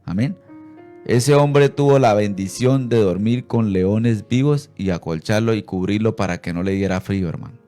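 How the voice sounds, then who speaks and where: A man preaching on Christian radio, fervent, often calling out to his brothers and rising into loud, high preaching. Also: moderate pace, soft background music. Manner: fervent, repeats "hermano" and "aleluya". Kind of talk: radio sermon.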